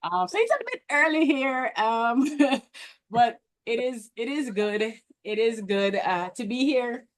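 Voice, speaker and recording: Woman from belize, earnest, kinda halting, dry video call audio. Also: fairly high pitch, animated, dry recording. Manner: earnest, hesitant restarts. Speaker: meeting guest. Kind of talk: casual online meeting comments.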